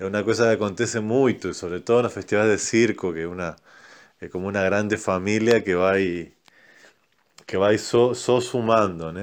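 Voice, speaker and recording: Man at a fairly low pitch and moderate pace, fairly even intonation, long, frequent pauses. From Uruguay. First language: Spanish (speaking Portuguese). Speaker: circus performer. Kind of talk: recorded testimonial. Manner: halting.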